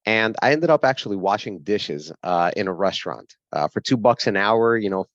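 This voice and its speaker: A man in his forties with a Brooklyn accent and a low voice. He recounts his past in a relaxed, rambling way, full of fillers and small laughs. The sound is dry and a bit muffled. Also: moderate pace, no room sound. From grew up in Brooklyn, New York. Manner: frequent fillers, laughs while telling stories. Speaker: guest. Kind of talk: casual interview storytelling.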